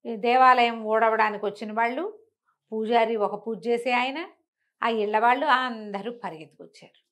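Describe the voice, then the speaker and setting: A woman telling a folk tale in a conversational, expressive storyteller's way, repeating phrases for emphasis. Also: a little high, moderate pace.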